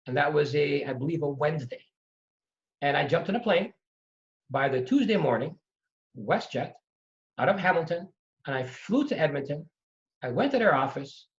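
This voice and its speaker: Animated middle-aged man on muffled audio. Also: a little high, normal speed, long pauses. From Trinidad and Tobago. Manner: animated, emphatic storytelling. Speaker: real estate investor guest. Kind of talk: storytelling in conversation. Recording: dull lo-fi audio.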